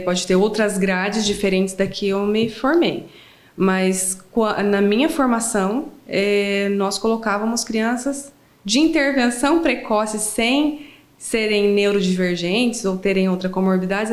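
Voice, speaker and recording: A woman's voice: mid-range voice, measured pace, echoey room. A woman in her forties, a speech therapist, explaining things in a friendly way during an interview and checking in with the listener as she goes. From Brazil.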